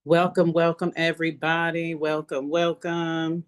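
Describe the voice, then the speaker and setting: A woman's voice: deep voice, level tone, unhurried, clear, resonant tone. A woman leading a live motivational online class as a coach, speaking emphatically and repeating phrases to encourage her listeners. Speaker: business coach hosting an online masterclass. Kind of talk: live motivational webinar talk.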